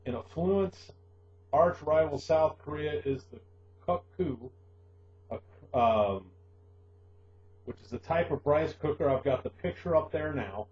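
A middle-aged man hosting a casual news lesson for English learners, joking sarcastically and pausing to explain words. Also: a little high, animated, reverberant. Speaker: host of an online English lesson show. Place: small room at a desk. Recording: muffled, noisy webcam audio with hum.

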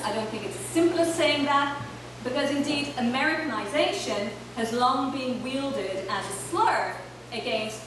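Woman lecturing in an echoey hall. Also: a little high. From Ireland. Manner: measured, thoughtful, with frequent fillers. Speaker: keynote speaker. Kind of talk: academic lecture. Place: large hall, on stage at a panel table. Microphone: table microphone, heard from far off. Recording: echoey hall from far off, noisy.

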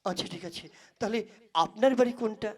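A woman's voice: medium pitch, fast, a little mellow, natural voice. A woman playing a courteous, hesitant man who is a stranger in a village, in a comic puppet play. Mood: puzzled. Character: polite, hesitant, increasingly impatient male stranger seeking directions.

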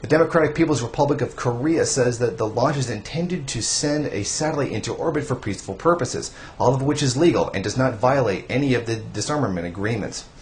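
A young man reading scripted political news commentary in a formal, measured newsreader manner. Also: on the low side. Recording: faint background noise.

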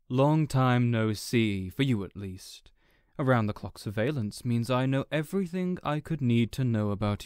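A man's voice: mid-range voice, darkish tone, clean tone, dry recording, clean studio sound, lightly acted. A man voicing a smug, coldly menacing arch-nemesis who drawls and mocks theatrically in an audio roleplay. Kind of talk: audio roleplay villain monologue.

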